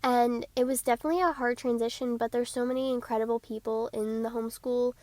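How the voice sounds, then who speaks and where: Here a Georgia teen hosts her podcast alone, talking fast with bubbly enthusiasm through a stuffed-up nose. The pitch is a little high yet steady and dark in tone, with no echo at all.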